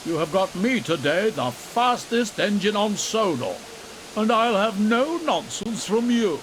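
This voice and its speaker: A man's voice: high-pitched, big pitch swings, unhurried, a bit bright, a little hiss or hum, voice pushed up, exaggerated voice. A man voicing a proud, pompous express steam engine with a commanding manner in a children's train game. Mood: indignant, pompous.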